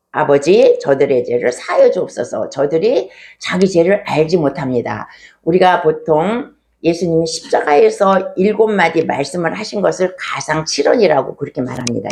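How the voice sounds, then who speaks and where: A woman's voice: fairly low pitch, a little mellow. A woman pastor preaching a sermon in a conversational storytelling way, often asking rhetorical questions.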